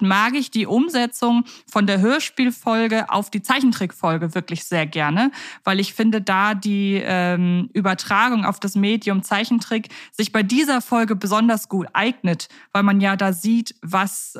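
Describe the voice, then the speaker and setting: A woman co-hosting a podcast, talking in a relaxed, thoughtful way with frequent fillers and restarts. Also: mid-range voice, measured pace, few pauses. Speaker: podcast co-host. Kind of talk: casual podcast chat.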